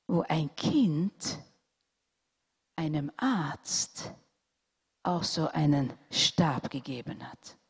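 A woman telling a religious story at a church service, slowly and deliberately, with dramatic pauses. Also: low-pitched, a little mellow, breathy edge. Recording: long hall reverb.

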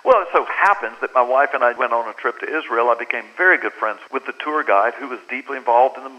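A man's voice: medium pitch, fast talker, muffled recording. A man from the United States, an author being interviewed, telling stories emphatically and earnestly. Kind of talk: animated storytelling interview.

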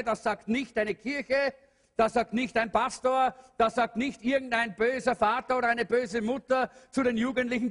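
High-voiced husky preacher in a hall. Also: male voice, a bit bright. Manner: earnest preaching with fillers and rhetorical questions. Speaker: pastor. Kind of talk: sermon. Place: church hall. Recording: long hall reverb.

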